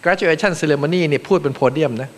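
A Thai man from Thailand, a panel speaker giving a joking, animated seminar talk in a large conference room. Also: fairly high pitch, unhurried. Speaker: panel speaker, acting vice president. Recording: long reverb of a large hall.

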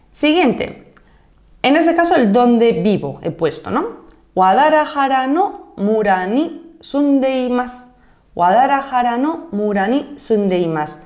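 A woman of thirty from Madrid with a Castilian Spanish accent, teaching a Japanese lesson on video. She explains each point clearly, slowing down to model phrases and checking in with "¿vale?". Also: on the high side, a little mellow. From Spain (Madrid).

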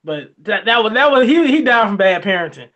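A young man co-hosting a movie review chat, talking in an animated, colloquial way and laughing often. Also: high voice, a little fast, dull audio, noisy background. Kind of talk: casual chat.

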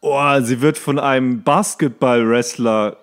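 A man's voice: medium pitch, steady tone, a little slow. A man co-hosting a podcast, reacting to a show in casual, jokey banter full of mock-dramatic exclamations. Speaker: podcast host.

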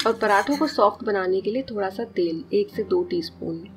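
A woman's voice: mid-range voice, moderate pace, faint music behind. Woman chatting through a home cooking vlog. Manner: chatty, explains steps as she works. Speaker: cooking vlogger. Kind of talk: casual cooking voice-over. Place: home kitchen.

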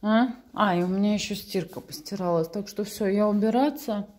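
Brisk yet a little mellow, this woman's mid-range voice fills a casual vlog she films at home as a thirtysomething mom of young children. She talks to the camera and her toddler in the living room and bedrooms. Echo colors the recording.

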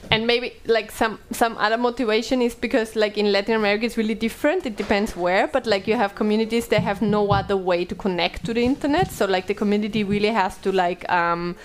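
Woman, thirties, headset mic, halting speech full of fillers. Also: mid-range voice, a little hiss or hum. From Austria. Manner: hesitant, many fillers and restarts. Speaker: panel moderator. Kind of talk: conference panel talk. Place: small bright meeting room.

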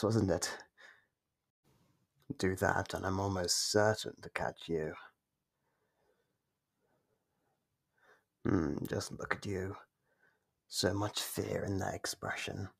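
An actor voicing an ancient, gleefully predatory monster in an ASMR horror roleplay, husky and breathy, teasing with slow menace. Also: male voice, low voice, exaggerated voice. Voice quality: husky, gravelly, breathy with whispers. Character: gleeful predatory monster from under the bed, centuries old.

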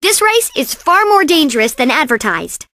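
A woman's voice: sits high, sing-song, moderate pace, bright, forceful tone, no room sound, clean studio sound, full character voice. A woman voicing a perky, cocky young female bandicoot racer in a video game, with a sassy, boastful, exaggerated cartoon delivery. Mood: annoyed, sassy. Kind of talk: video game character voice lines.

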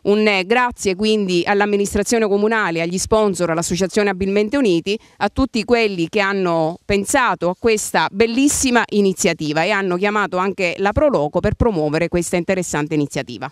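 Woman with a smooth voice, formal thanks. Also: mid-range voice, brisk, few pauses, no echo, clean studio sound. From Sicily. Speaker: association vice president. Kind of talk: promotional address to camera. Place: outdoors in a town square. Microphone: handheld mic.

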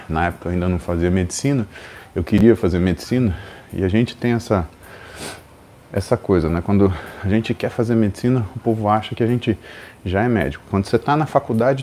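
Lively low-voiced Brazilian man telling a story. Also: a little hiss or hum. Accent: Brazilian Portuguese. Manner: lively storyteller who acts out the people in his story. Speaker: host. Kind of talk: storytelling on a live stream.

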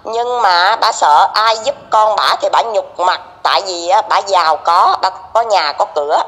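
A woman's voice: mid-range voice, moderate pace, a bit bright, long reverb tail. A middle-aged woman with a Southern Vietnamese accent, a neighbor being interviewed in casual conversation, gossipy and emphatic, repeating herself.

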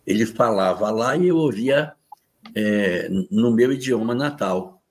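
A man's voice: fairly low pitch, measured pace. A man hosting a casual panel discussion over a video call, talking in a conversational way with fillers.

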